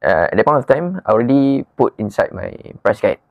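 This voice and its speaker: A man with a Malay-influenced Southeast Asian English accent chats casually and haltingly on a podcast, mixing in colloquial Malay slang and "lah". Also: mid-range voice, very animated, gravelly, dry recording, highs cut off. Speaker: guest, wedding photographer.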